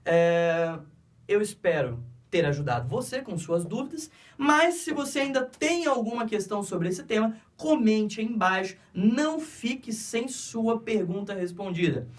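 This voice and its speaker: A man's voice: sits high, expressive, a little slow, far from the mic. A man with a Brazilian Portuguese accent teaching an English grammar lesson, patiently repeating each step and checking that students follow.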